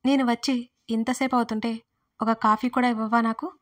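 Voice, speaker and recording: Reproachful grown daughter in an audiobook drama, read by a woman, emotional, highish voice, narrow pitch. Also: level tone, fairly quick, close to an everyday voice. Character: hurt, demanding grown-up adopted daughter. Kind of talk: audiobook role reading.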